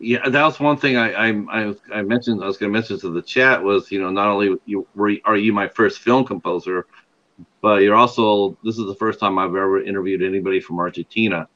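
A man's voice: on the low side, steady tone, a little fast, a bit bright, muffled recording. An older man hosting a livestreamed interview show on a video call, rambling with many fillers and restarts.

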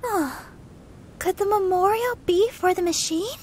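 A woman voicing a sweet, caring teenage girl in a video game, with a light girlish voice and gentle, coaxing manner. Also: very high voice, a little slow, a little hiss or hum. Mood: pondering.

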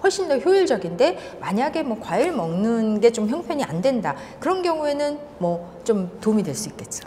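A woman doctor calmly explaining health advice as a guest on a talk show, often agreeing with the host. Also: a little high, long reverb tail, slight background noise. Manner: calm, measured explaining with frequent agreeing.

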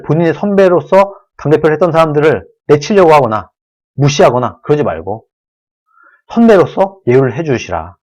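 A man hosting his own channel, giving an earnest solo political commentary, pleading and restating each point. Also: on the high side.

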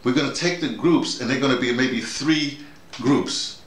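A man's voice: mid-range voice, unhurried. A man, talking casually and emphatically, digressing and repeating his phrases. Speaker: drama workshop leader. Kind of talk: casual conversation, storytelling and explaining. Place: small indoor room with a bed. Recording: echoey room, faint noise.

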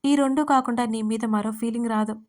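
This is a firm young wife in an audio drama story, blunt and cold with a sarcastic edge, as a woman narrator reads her. Her voice is fairly high and steady. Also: fairly quick, close to an everyday voice. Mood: scornful.

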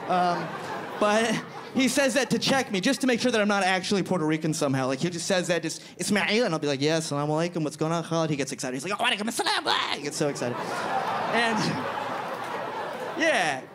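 A young man from Florida doing a stand-up set on a club stage into a handheld mic, animated and quick with his punchlines, slipping into other people's voices. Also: sits high, crowd noise, background noise. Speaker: stand-up comedian. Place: comedy club stage before a live audience.

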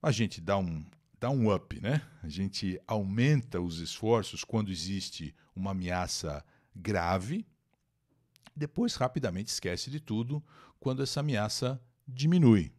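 A man's voice: fairly low pitch, animated, measured pace, darkish tone. A man teaching English to Brazilians on a live stream, with a Brazilian Portuguese accent, reading an article and translating it, repeating words and greeting the chat.

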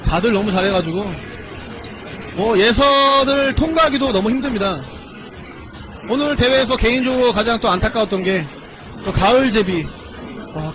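A man with a very high voice commentates a fighting-game tournament. He is excitable and exclamatory, moving between drawn-out announcer calls and casual chat. There is clear background noise behind him.

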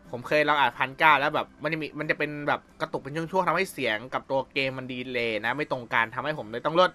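A man's voice: fairly high pitch, fast, bright, forceful tone. A young man casually commenting while playing a video game, chatty and rambling with polite filler endings. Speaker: gameplay commentator. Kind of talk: casual let's-play commentary. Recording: voice over game audio and music.

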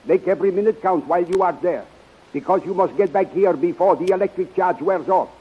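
An actor playing an earnest, fatherly scientist with formal, deliberate phrasing in a 1930s radio adventure. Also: high-pitched. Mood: earnest, cautioning. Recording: muffled, husky-sounding 1930s radio recording.

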